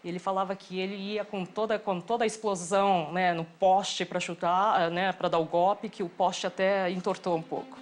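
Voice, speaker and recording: A woman's voice: lowish voice, fairly even intonation, normal speed, few pauses, soft background music. A woman retelling secondhand stories with fillers in a documentary interview.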